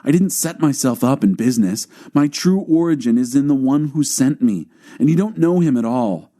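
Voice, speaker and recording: A man's voice: mid-range voice, lively intonation, moderate pace, warm tone, pitched above the performer's own voice, natural voice. A man voicing a bold, challenging religious teacher with emphatic declarations in a dramatized scripture audiobook. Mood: proclaiming.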